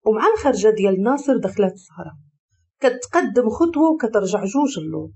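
A woman with a Moroccan accent narrating a dramatic family story in an expressive way. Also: medium pitch, fast talker, husky.

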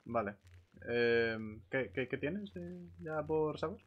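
A man's voice: mid-range voice, expressive, slow pace, phone-quality sound. A man speaking in a hesitant, stammering way, improvising in-character chat during a roleplay game. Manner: hesitant, stammering, repeats words. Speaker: player in online roleplay group.

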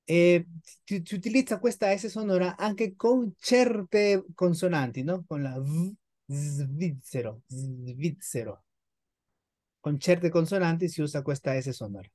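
A woman teaching a beginners' Italian class, slowly modelling words and patiently repeating them for her students. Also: fairly low pitch, dark tone. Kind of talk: online language lesson.

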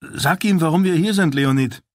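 A man's voice: a little high, normal speed, dry recording, clean studio sound, pitched above the performer's own voice, lightly acted. A man voicing a proud, eager teenage boy soldier in an audiobook. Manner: proud, earnest. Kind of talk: audiobook character voice.

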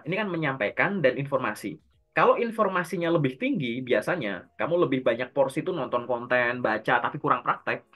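A man's voice: a little high, fairly bright tone. A man coaching someone for job interviews over a video call. He explains step by step and asks and answers his own questions. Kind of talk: casual coaching session.

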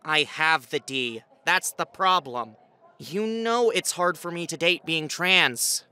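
A woman's voice: deep voice, expressive, takes it slowly, bright, forceful tone, clean tone, exaggerated voice. A woman voicing an anxious, self-deprecating writer and hopeless romantic in a comic dub, with a dramatic, self-pitying manner. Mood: defensive, despondent. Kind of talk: comic dub voice acting with inner monologue. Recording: music bed under the voice.

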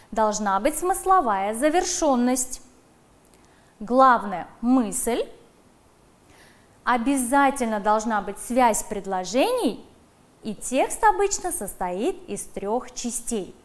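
A woman leads a primary school class on television, talking straight to the children. Her voice sits high and moves through a wide, animated range. She slows right down to sound out dictation words with clear emphasis. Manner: addresses children directly.

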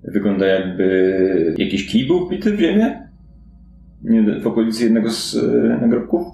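Low-voiced man as game master, roomy sound. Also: animated, normal speed, gravelly, mellow. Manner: improvised, descriptive storytelling with hedging. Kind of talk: narrating a fantasy detective tabletop game. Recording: roomy echo, faint music behind. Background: faint background music.

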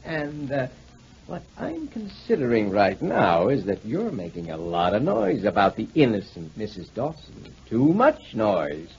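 A dull, lo-fi 1940s radio broadcast with a bossy male police lieutenant. His voice is very rough and husky, and he barks impatiently with big swings in pitch. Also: wildly swooping pitch, a little slow, darkish tone, exaggerated voice. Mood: argumentative. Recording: muffled, lo-fi 1949 radio recording.

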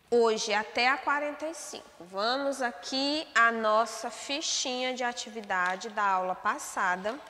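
A woman with a Brazilian Portuguese accent teaches an online class, walking her pupils through the material and pausing to check they follow. Her voice is bright and a touch high. The recording carries a long reverb. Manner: explanatory, checks in with "né?" and "certo?". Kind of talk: remote class lesson over shared slides.

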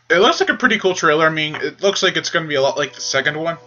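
A man's voice: on the high side, sharp tone, lo-fi sound, a little hiss or hum. A young adult man hosting a casual reaction and review vlog about movie trailers. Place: small home room with shelves of discs, indoors.

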